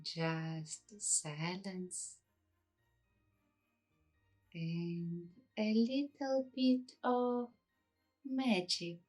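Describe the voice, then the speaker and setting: Very slow, hushed woman, ASMR meditation. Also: lowish voice, faint music behind. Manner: hushed, unhurried, with long pauses between short phrases. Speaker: ASMR host and meditation guide.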